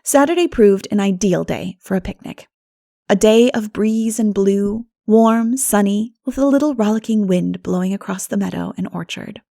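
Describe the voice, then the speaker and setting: A woman reading a classic novel as an audiobook narrator, in an expressive storytelling manner. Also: medium pitch, moderate pace, gravelly. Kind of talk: scripted literary narration.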